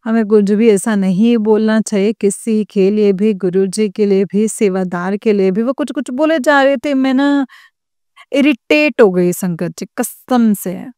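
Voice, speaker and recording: A woman's voice: medium pitch, unhurried, dark tone, clear, resonant tone, dry recording, clean studio sound. A young woman earnestly telling a personal story to a religious congregation, addressing her listeners again and again. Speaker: devotee sharing experience.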